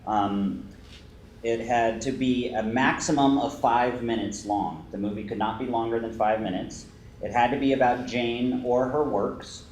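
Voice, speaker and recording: A man's voice: medium pitch, fairly even intonation, unhurried, darkish tone. A man from the Bay Area co-presenting a talk, explaining steadily and plainly. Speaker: co-presenter, video producer. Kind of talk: prepared presentation. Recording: echoey room, faint noise.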